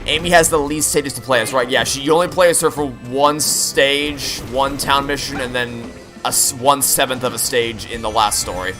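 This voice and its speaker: A man's voice: mid-range voice, steady tone, moderate pace. A young man giving casual, opinionated, rambling commentary as he plays through a video game. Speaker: video game playthrough streamer. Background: game music.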